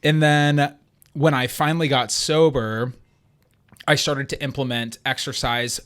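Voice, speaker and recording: A man of ordinary pitch is a guest on a casual podcast. He tells his own story in an easygoing way and pauses often with ums. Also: steady tone, fairly bright tone, clean tone. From United States. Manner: easygoing storyteller, hesitant with fillers. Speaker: guest, CrossFit coach and athlete.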